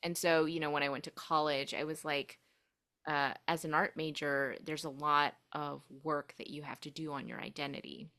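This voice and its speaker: Young woman with a low voice, reflective podcast guest with many fillers, grew up speaking Korean first. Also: fairly even intonation, normal speed, fairly bright tone. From United States. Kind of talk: casual interview storytelling.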